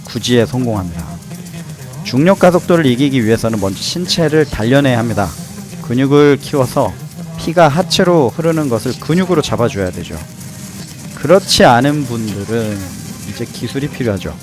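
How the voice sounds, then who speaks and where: A man narrates in a casual explanatory style, at an average pitch. He dramatizes playfully and throws out rhetorical questions. Faint music plays behind his voice. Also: animated, normal speed. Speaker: host and narrator, former pilot trainee.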